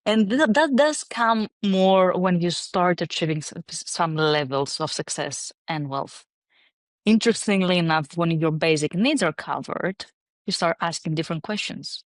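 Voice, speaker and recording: A woman's voice: on the low side, moderate pace, no room sound. Woman from Greece, podcast guest, thoughtful and reflective, dry close sound. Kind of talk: conversational interview.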